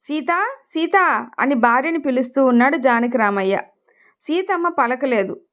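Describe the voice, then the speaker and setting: High-voiced woman telling a family story. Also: lively intonation, moderate pace. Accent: Telugu. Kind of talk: storytelling narration with acted dialogue.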